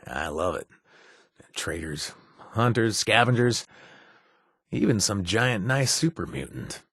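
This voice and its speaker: An actor playing a wry, joking former raider who is protective of his friend, with a husky voice. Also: lowish voice, very animated, slow, long pauses, a bit bright, no echo, clean studio sound, exaggerated voice. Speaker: game companion. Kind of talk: video game voice lines.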